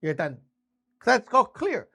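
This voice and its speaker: High-pitched man giving a casual lesson. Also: wildly swooping pitch, unhurried, creaky, bright, forceful tone, slightly rough. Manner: conversational, frequent check-ins, spells things out step by step. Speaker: instructor teaching radio communication basics. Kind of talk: casual spoken lesson with acted-out example exchanges.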